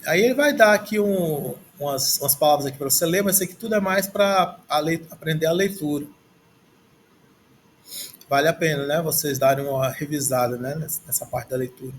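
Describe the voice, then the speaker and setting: Speaking on the high side and fairly quickly, with slight background noise, a man with a Brazilian Portuguese accent teaches a language lesson. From a desk in a screen recording, he goes slowly and haltingly through a textbook, repeating words aloud as he thinks them through.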